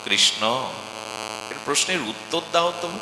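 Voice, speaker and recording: A man's voice: mid-range voice, expressive, a little slow, roomy sound, big-room sound, background noise, voice pushed down. A man voicing Draupadi, a wronged queen who pleads with her god and questions him reproachfully, inside a devotional sermon. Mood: pleading.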